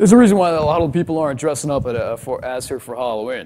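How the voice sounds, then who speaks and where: In a very clean recording with a silent background, a man with a fairly high pitch speaks with lively intonation. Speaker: podcast host. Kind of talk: casual chat. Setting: live web show with chat room. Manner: loud.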